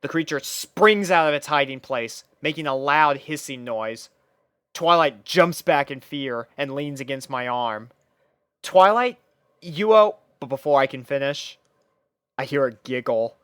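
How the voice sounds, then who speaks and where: A man narrating a first-person story from a script in an expressive storytelling manner. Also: mid-range voice, measured pace, clear, resonant tone, no echo.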